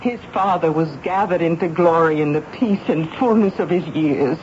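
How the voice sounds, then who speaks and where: A woman's voice: lowish voice, moderate pace, close to an everyday voice. An actress playing a doting, apologetic mother, fussing and gushing in a 1970s radio drama. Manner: fussing, gentle, gushing with many ohs. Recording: dull, noisy vintage radio broadcast.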